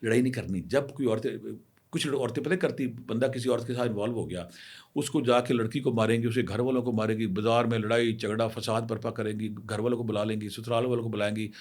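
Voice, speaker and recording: A man's voice: medium pitch, fairly even intonation, darkish tone. A middle-aged man from Pakistan, a spiritual healer telling anecdotes and giving emphatic marriage advice straight to women viewers. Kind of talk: storytelling advice talk.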